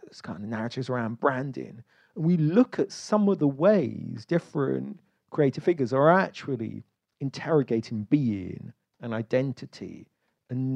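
A man's voice: on the high side, gravelly, dark tone, no room sound, highs cut off. A man on a panel, speaking in a reflective, academic way. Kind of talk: panel discussion.

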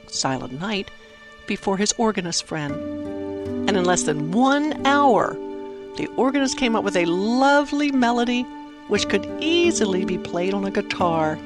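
A woman telling a dramatic Christmas story for children, with simple, expressive phrasing and emphatic pauses. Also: medium pitch. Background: music under the narration.

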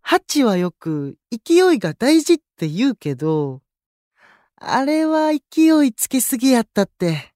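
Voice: mid-range voice, big pitch swings, takes it slowly, darkish tone, no echo, clean studio sound. An actor playing an easygoing young male idol in an audio drama, chatting casually in a Kansai accent. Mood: gently excited. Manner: casual, friendly dialect speech. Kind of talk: Japanese audio drama acting.

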